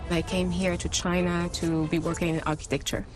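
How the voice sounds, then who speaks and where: A woman from Morocco, an architect presenting in a reflective, relaxed way. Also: lowish voice, a little fast. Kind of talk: travel documentary presenting. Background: background music.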